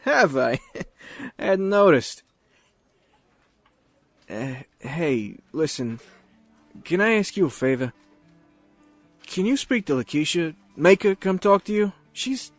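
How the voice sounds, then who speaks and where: An actor playing an easygoing, joking police officer in a naturalistic audio drama, with informal, slightly hesitant delivery. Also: male voice, sits high, big pitch swings, slow pace, long pauses, no room sound, faint music behind, heavily acted. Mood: concerned.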